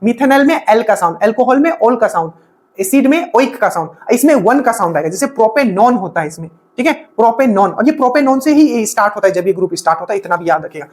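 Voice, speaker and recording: A woman's voice: fairly high pitch, lively intonation, fast, a little mellow. A woman teaching an exam-prep lesson, explaining step by step, repeating key points and often checking in with her students. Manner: explains step by step, often checking in with "okay" and asking rhetorical questions. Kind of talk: exam-prep classroom lecture.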